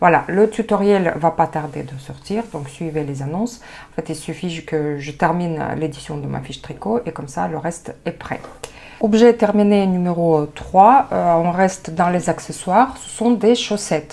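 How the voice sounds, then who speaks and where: A woman with a Russian accent and a fairly low pitch. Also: lively intonation, fairly slow pace. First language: Russian (speaking French). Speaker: knitting podcaster. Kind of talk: casual knitting podcast, improvised. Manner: halting, many fillers.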